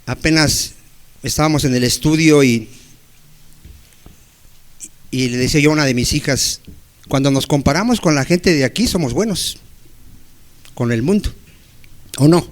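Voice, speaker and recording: A male pastor preaching a sermon to his church, firing rhetorical questions at the congregation and acting out pleading prayers in a slow, low voice. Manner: acts out pleading prayers, dropping low and slowing down.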